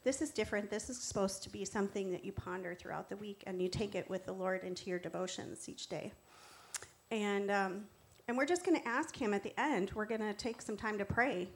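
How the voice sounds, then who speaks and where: A woman's voice: mid-range voice, fairly quick. A woman preaching in a conversational style, earnest and instructive as she encourages her listeners. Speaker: preacher giving testimony. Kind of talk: conversational sermon.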